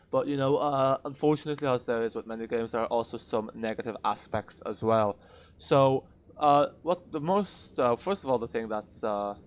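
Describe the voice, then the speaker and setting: A man reviewing a game in unscripted commentary over gameplay, explaining in a measured, hesitant way. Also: medium pitch, smooth.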